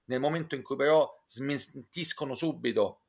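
Male guest commentator, Roman accent, fry in the voice, erudite and halting, informal. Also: mid-range voice. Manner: reflective, halting, wordy and erudite. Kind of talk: informal spoken concert review. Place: indoor room with bookshelves. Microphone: video call, close to computer.

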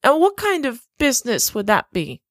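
A genteel, secretive hostess. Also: female voice, sits high, wildly swooping pitch, no room sound, studio quality. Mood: gracious. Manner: gracious, slow and courteous. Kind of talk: audio drama acting.

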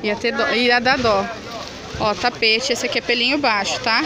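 A woman's voice: a little high, steady tone, normal speed. A young woman from Brazil chatting enthusiastically to viewers while showing products in a shop. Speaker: shopping vlogger. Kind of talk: casual vlog, showing products. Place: indoors at a busy market shop. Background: crowd chatter.

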